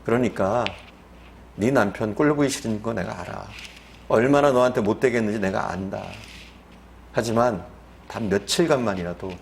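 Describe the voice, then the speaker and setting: A man's voice: on the low side, creaky, slight background noise. A man voicing the Lord in a sermon story, speaking tenderly and coaxingly, as if to a child. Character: the Lord, a gentle fatherly male voice. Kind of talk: acted quote within a sermon.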